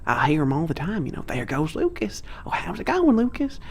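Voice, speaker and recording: A man's voice: fairly high pitch, wildly swooping pitch, fairly quick, slightly rough, exaggerated voice. A man playing a friendly, anxious young half-giant villager in an ASMR roleplay, chatty and folksy with hesitant, nervous delivery. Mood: nervously cheerful.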